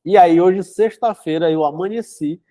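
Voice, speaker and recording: His voice is high and dark at a moderate pace as the young host from São Luís, Brazil, leads a live book club, chatting loosely, reading aloud and tacking on "né?" among many fillers. He has a cold with a runny nose, captured in a dry, clean studio recording.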